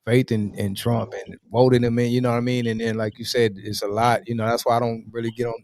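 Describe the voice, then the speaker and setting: A man's voice: mid-range voice, little pitch movement, a little fast, a little mellow, slight background noise. A man hosting an interview show, talking in an easygoing, hedging way with short agreeing replies. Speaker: show host. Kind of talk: casual interview talk.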